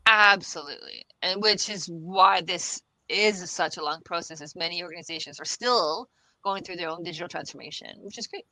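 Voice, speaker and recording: Woman podcast guest, bright and dry close-mic sound, reassuring, laughs a lot, repeats phrases. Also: lowish voice, moderate pace, no room sound, rough recording. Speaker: guest expert on the future of work. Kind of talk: casual podcast interview.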